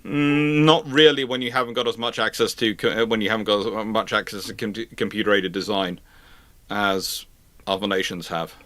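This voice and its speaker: A man hosting a live question-and-answer talk, speaking in a halting, stammering way and often circling back to rephrase. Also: fairly low pitch, fairly even intonation, fairly bright tone, no echo. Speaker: host answering audience questions. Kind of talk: live question-and-answer talk on military history and current affairs.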